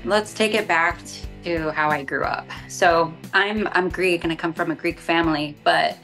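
A woman's voice: on the low side, normal speed, fairly bright tone, faint music behind. A young adult woman, casually telling her personal story in a conversational way, peppered with "like" and "you know". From born in Europe, grew up partly in the United States. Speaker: bikini competitor and fitness coach, podcast guest. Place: small room at home.

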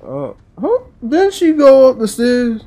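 A man's voice: very high-pitched, wildly swooping pitch, slow, dark tone. A man giving casual, slangy and profane commentary while playing a video game. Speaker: gaming video host. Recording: faint game music behind.

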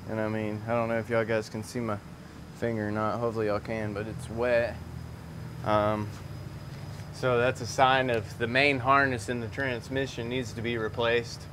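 Under a lifted truck in an auto repair garage, a transmission mechanic talks to his video audience in a folksy, chatty way as he works. His mid-range voice stays level and moves at normal speed. A camera several meters away picks him up, along with clearly audible garage noise.

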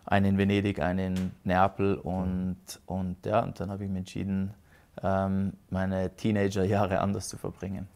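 A man in his 30s from South Tyrol, Italy, is a guest in a casual interview set in a rustic hotel lounge with a fireplace. His voice is low, creaky, and a little mellow, delivered completely flat at a moderate pace. He hesitates and restarts often, using many fillers.

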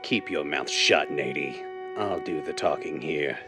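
An actor playing a blind, domineering gangster boss in an old-time radio drama, curt and menacing. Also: male voice, extremely low pitch, a little slow, over loud music. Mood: cold, menacing. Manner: curt, commanding.

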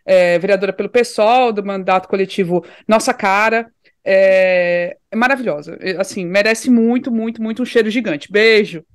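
A woman co-hosting a podcast, chatting casually and sending warm shout-outs. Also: medium pitch, moderate pace. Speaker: podcast co-host.

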